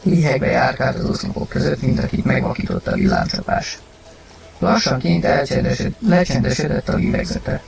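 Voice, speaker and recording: A man reading a story aloud, narrating and acting the husband's lines with sudden loud outbursts. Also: medium pitch, gravelly, husky. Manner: acted, rising to shouts in heated lines. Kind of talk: dramatized audiobook reading.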